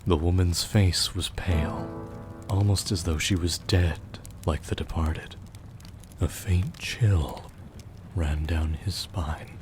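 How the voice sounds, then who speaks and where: A man narrating a gothic audio drama as a somber storyteller, grave, measured and literary. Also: sits low, steady tone. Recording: loud music behind the voice.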